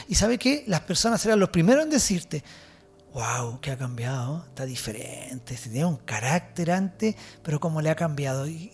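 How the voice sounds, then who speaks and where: A man's voice: high voice, a little mellow. Fervent Chilean man preaching. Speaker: pastor. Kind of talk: sermon.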